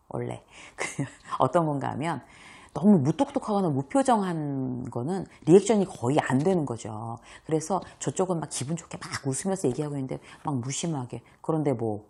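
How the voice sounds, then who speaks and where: A woman hosting her own lesson on speaking well, talking straight to viewers in a lively way and acting out examples with frequent laughs. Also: low voice, slightly rough. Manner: animated, acts out examples, laughs often. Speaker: host and workplace communication coach. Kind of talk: talking-head lecture.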